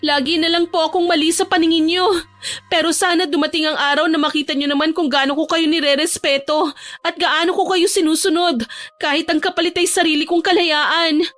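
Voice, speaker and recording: A woman voicing a quiet young daughter who pleads respectfully with her angry father, over faint music. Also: very high-pitched, fairly even intonation, brisk, no echo, pitched above the performer's own voice. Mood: pleading.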